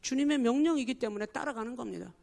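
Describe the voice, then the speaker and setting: A man's voice: very high voice, quick pace, creaky, darkish tone. A man preaching a sermon as pastor, emphatic and forever addressing the congregation. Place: church.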